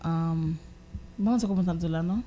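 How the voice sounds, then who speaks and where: A woman with a Haitian accent giving her opinion in a casual radio discussion, haltingly, often repeating phrases as she searches for words. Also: on the low side, mellow.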